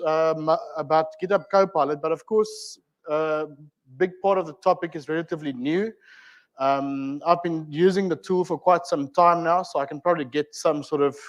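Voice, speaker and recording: A South African man whose voice sits a little higher than most men's speaks at a developer meetup. His delivery is conversational and loose, full of ums and uhs, with frequent asides tossed to the listeners. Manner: chatty, many ums and uhs, asides to the audience. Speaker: technical trainer giving a meetup talk. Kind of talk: informal tech presentation.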